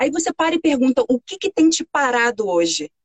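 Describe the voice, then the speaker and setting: A woman's high voice in an animated tone, with very wide pitch swings and a dry, close sound with no echo. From Rio de Janeiro, Baixada Fluminense. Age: 40s. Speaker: voice-over student, former flight attendant. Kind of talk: interview.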